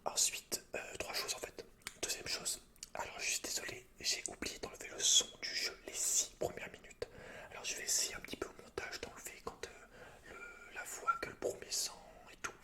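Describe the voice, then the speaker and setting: A man hosts an ASMR gaming video entirely in a whisper. His delivery is breathy and unvoiced, with a soft, informal intimacy, as if addressing one listener directly. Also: normal speed. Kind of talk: whispered ASMR, chatting and reading game lore aloud.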